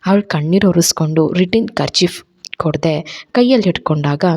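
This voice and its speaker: A woman narrating an audio love story in a steady, even storytelling manner. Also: lowish voice, a little fast. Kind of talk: scripted narration.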